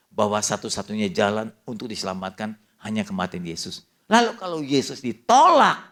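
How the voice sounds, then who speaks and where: An older man preaching a sermon as pastor, telling a family story in a lively way and mixing casual slang into it. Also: fairly low pitch, creaky.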